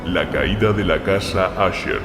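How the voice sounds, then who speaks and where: Deep, echoing male title announcer. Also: measured pace. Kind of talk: scripted dramatic title announcement. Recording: echoey long reverb, music behind.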